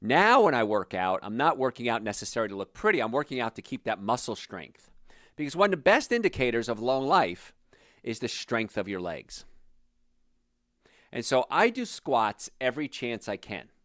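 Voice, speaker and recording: A middle-aged man delivers health advice directly to his viewers in a plain-spoken, emphatic way. His voice sits at an ordinary male pitch. The sound is close and dry, with no room echo. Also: very animated, normal speed, a bit bright. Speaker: health show host. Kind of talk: direct-to-camera health talk.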